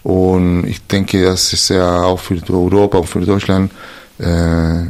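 Low-voiced hesitant male interview host. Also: completely flat delivery, slow pace, a little mellow. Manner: hesitant, searching for words, many fillers and restarts. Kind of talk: reflective interview talk.

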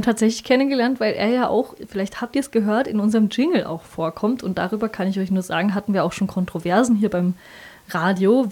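A woman's voice: medium pitch, mellow. Chatty woman hosting a radio show. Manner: chatty, many filler pauses. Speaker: radio host and coordinator. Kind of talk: casual live radio hosting. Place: radio studio.

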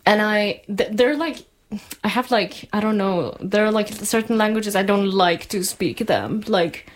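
A woman chatting as a guest in a relaxed group talk. She speaks at a middle pitch, in a thoughtful and reflective way. She fills her sentences with many likes. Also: measured pace. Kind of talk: casual panel chat.

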